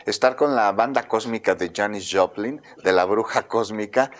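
A man's voice: on the low side, normal speed. A man hosting an interview, asking questions in an enthusiastic, admiring way. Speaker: interview host. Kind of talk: radio-style interview.

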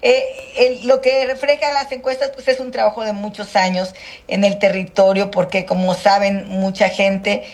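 Female politician from Guerrero, mid-pitched, measured and halting. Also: level tone, a little mellow. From Guerrero, Mexico. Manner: measured, halting, with many fillers. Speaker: politician, senator.

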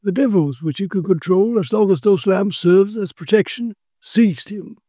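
A man voicing a commanding, grave male occult detective who explains dark matters with authority. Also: high-pitched, normal speed, dry recording, studio quality, pitched above the performer's own voice.

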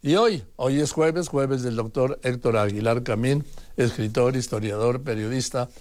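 A man's voice: mid-range voice, measured pace, a little mellow, a little hiss or hum. A man hosting, introducing his guest with an upbeat greeting. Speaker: radio host. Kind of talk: host introduction and banter.

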